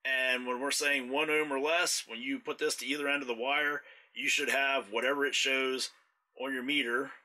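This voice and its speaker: A man's voice: medium pitch, moderate pace, low-quality recording. A man giving a casual hands-on repair tutorial indoors, explaining step by step as he works. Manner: relaxed, explanatory, talks while working. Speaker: mower repair technician.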